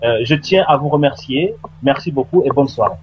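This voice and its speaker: A man's voice: medium pitch, a little fast. Earnest man on a lo-fi radio line. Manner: earnest, hesitant with many fillers. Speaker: debate guest. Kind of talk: radio debate call-in. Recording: dull lo-fi radio line with faint noise.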